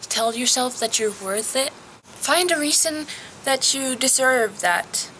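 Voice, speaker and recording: A teenage girl from Norway, giving casual advice in a vlog recorded outdoors. She talks softly and hesitantly, sometimes dropping to a whisper. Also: high-pitched, expressive, slow pace, slight background noise, rough recording. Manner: soft, hesitant, drops to a whisper at times. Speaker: vlogger.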